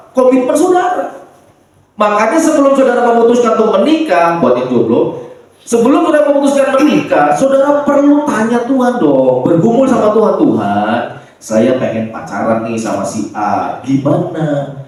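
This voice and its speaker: A man from Indonesia, a pastor preaching a sermon in a church, lively and acting out the voices of the people he quotes. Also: very high-pitched, brisk. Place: church hall. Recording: echoey church from far off.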